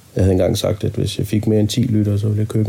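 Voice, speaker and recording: Very rapid male speech against clearly noticeable background noise. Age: 40s. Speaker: podcaster and bricklayer. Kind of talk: casual solo monologue. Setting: home recording, poor microphone.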